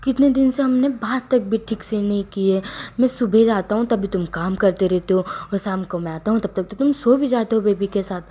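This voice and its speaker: A woman's voice: medium pitch, normal speed, mellow, close to an everyday voice. Woman voicing a tender coaxing young husband. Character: loving, teasing young husband, soft and affectionate.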